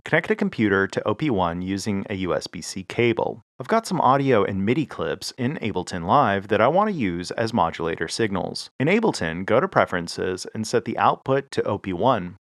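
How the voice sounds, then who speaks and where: Lively low-voiced man. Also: no room sound, clean studio sound. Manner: clear step-by-step instruction. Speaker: host of a music gear tutorial channel. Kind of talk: scripted instructional narration.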